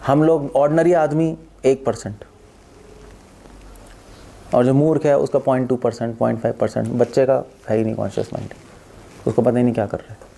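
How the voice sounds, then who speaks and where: A man's voice: medium pitch, a little fast, vocal fry, pauses often. A man, a monk who was once a doctor, giving a spiritual talk and telling stories that act out what people think and say. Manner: animated storytelling, acts out quoted thoughts and repeats phrases. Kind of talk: spiritual discourse.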